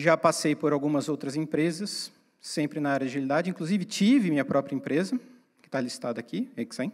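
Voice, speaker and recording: Speaking fairly quickly with lively intonation, a man with a fairly high voice comes through on a very clean recording with a silent background. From Brazil, interior of São Paulo state. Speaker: agile specialist, conference speaker. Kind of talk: conference talk. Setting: stage with audience.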